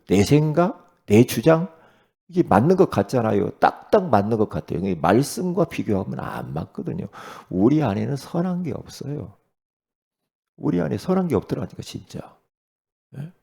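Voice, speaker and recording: A man preaching an early-morning sermon as pastor, talking with lively swings and often asking his listeners questions. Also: mid-range voice, creaky, husky. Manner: animated preaching, rhetorical questions to the congregation.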